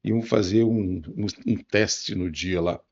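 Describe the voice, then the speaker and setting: A man in his seventies from Bahia, Brazil, with a Bahian accent, answering interview questions in a musing, unhurried way with restarts. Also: lowish voice, steady tone, a little mellow, highs cut off. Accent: Bahian Brazilian Portuguese. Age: 70s. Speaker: interview guest.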